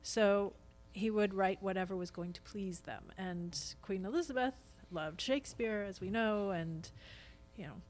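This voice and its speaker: A woman's voice: mid-range voice, measured pace, a little mellow. A woman talking conversationally as a guest on a podcast. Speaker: podcast guest, stage actor. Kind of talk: casual conversational podcast chat.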